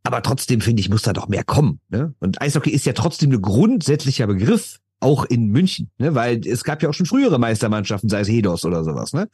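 Host, male, rapid-fire, a bit husky, argumentative podcast talk. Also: medium pitch, very animated, darkish tone, no room sound, studio quality. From Düsseldorf, Germany. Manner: argumentative, keeps adding tag question "ne?". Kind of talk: casual sports chat.

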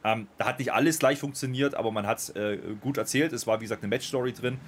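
A man reviewing a wrestling show in casual podcast chat, thoughtful, with many pauses and restarts. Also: mid-range voice, a little hiss or hum.

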